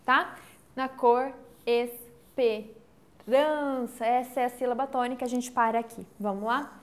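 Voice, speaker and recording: A woman's voice: high-pitched, a bit bright. A woman teacher, giving an online literature lesson, explaining step by step and often checking in with the class. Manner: explains step by step, counts syllables slowly aloud; checks in with frequent "tá?".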